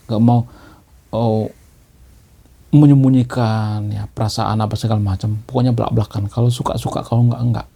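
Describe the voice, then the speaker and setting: Gravelly, husky man lecturing. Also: medium pitch, mellow. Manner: explanatory, ends phrases with a tag "ya"; leisurely, repeats key words. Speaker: commentator. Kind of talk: monologue commentary.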